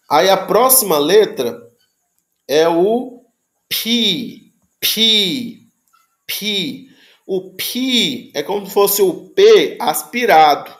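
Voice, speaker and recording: A man's voice: a little high, roomy sound. A man teaching Greek pronunciation in a lecture, patiently repeating sounds and checking that students follow.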